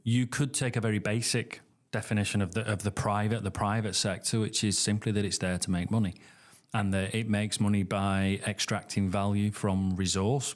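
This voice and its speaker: Northern english guy, lowish voice, thinks out loud, measured podcast guest. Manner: thoughtful, measured, with restarts. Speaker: guest academic. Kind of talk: podcast interview.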